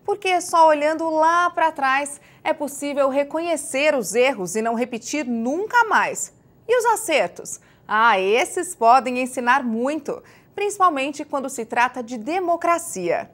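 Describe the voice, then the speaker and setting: A woman's voice: high-pitched, expressive, unhurried. Chatty, playful woman show host. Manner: chatty, playful, asks short prompting questions. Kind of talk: program intro and interviewing.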